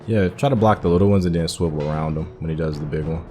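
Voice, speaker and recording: A man hosting a game playthrough, giving relaxed, rambling commentary full of fillers. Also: extremely low pitch, fast talker, soft background music. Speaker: gaming host. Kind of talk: casual gameplay commentary.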